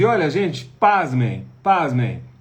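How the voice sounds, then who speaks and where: Audible room echo surrounds a man speaking in an animated tone with very wide pitch swings. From Minas Gerais, Brazil (Patos de Minas). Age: 50s. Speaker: plastic surgeon. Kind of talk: live stream talk to viewers.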